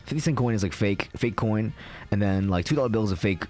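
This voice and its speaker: Ranting young Canadian streamer. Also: male voice, lowish voice, fast talker, a little mellow, soft background music. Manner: ranting, casual, swears often, many fillers. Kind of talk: casual live-stream chat.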